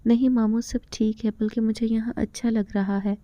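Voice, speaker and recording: A woman's voice: fairly high pitch, little pitch movement, moderate pace, mellow, dry recording, lightly acted. A woman reading as a humble young woman. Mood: subdued. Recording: slightly dull lo-fi recording.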